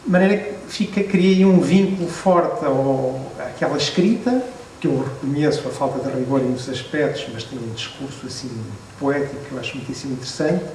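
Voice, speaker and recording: A man's voice: medium pitch, fairly quick, darkish tone. A Portuguese man in his fifties with a European Portuguese accent, telling anecdotes to an audience in a reflective way, with hesitant restarts and wry asides about himself. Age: 50s. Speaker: photographer and book author at a presentation. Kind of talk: relaxed anecdotal talk to an audience. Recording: echoey room, distant mic, faint noise.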